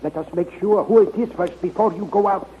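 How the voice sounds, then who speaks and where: A man plays a cautious, authoritative scientist in a 1930s radio serial. His voice is high for a man, with formal, deliberate phrasing, on a dull and noisy old recording. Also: lightly acted. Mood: cautious, urgent. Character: brisk, cautious male scientist mentoring a young hero.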